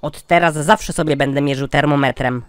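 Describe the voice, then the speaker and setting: A man voicing a droll, crotchety old grandpa in a cartoon comedy skit, drawing out deadpan punchlines. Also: on the high side, moderate pace, a little hiss or hum, natural voice. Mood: grumbling.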